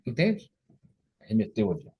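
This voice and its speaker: A man's voice: lowish voice, huge pitch swings, brisk, husky, lo-fi sound. A middle-aged man giving a motivational lecture in a conversational way, often ending his points with rhetorical questions. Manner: conversational, tags sentences with rhetorical "né?".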